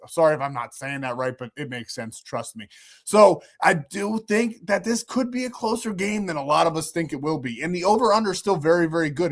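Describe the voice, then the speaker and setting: A man's voice: a little high, fairly bright tone. A man hosting a sports betting channel, talking through his picks in a rambling, confident way while sick and losing his voice. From New York. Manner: rambling, confident, self-correcting. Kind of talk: casual betting picks talk.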